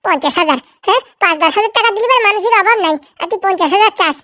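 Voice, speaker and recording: A performer puts on a bossy cartoon madam with an extremely high voice and a dry, close sound. She gives orders and haggles impatiently at a very fast clip, every bit the schemer. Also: lively intonation, pushed and bright, no echo, heavily acted. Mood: commanding, impatient. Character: bossy, scheming rich madam hiring a kidnapper. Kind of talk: comedy cartoon dialogue.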